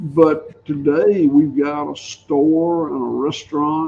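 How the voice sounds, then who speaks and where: A fairly high-pitched man with a Southern US accent. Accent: Southern US (Georgia). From US South, southwest Georgia. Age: 60s. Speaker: farmer. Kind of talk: interview.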